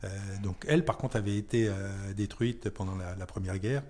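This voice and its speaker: A man's voice: on the low side, fairly quick, mellow. A man speaking as a town mayor in an unscripted radio interview, hesitating and repeating words as he searches for phrasing.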